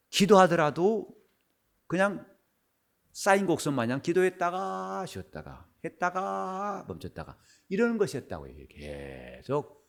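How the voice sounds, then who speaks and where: A middle-aged man preaching a sermon as pastor, his voice husky and worn, switching between loud bursts and quiet asides. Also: mid-range voice. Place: church sanctuary.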